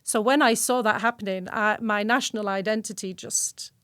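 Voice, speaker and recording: A woman's voice: medium pitch, steady tone, normal speed, fairly bright tone, no echo, studio quality. A woman originally from Syria, speaking earnestly and reflectively as a guest on an interview podcast, often restarting her sentences. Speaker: guest researcher.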